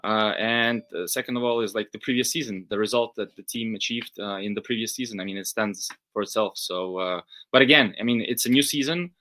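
A man from Belarus answering interview questions as a football reporter, in a halting, careful and noncommittal manner. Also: on the low side, bright, forceful tone, dry recording. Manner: hesitant, halting, measured, hedging answers.

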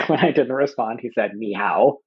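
A young Canadian man, a podcast guest, chatting casually with lots of fillers and lively quoted asides. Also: medium pitch, measured pace, breathy edge, highs cut off. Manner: chatty, full of fillers, animated quoting. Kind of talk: casual chat.

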